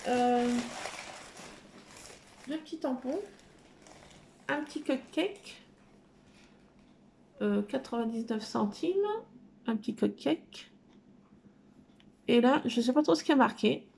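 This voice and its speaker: At home indoors, a middle-aged craft vlogger chats casually while showing off her craft haul, hesitant and full of fillers. Her voice is a little high and mellow, with vocal fry, and there's slight background noise.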